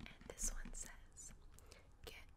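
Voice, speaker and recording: A woman is heard here. She is whispering. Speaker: ASMR creator. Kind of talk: ASMR roleplay, personal attention. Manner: soft-spoken. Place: home room. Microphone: studio mic.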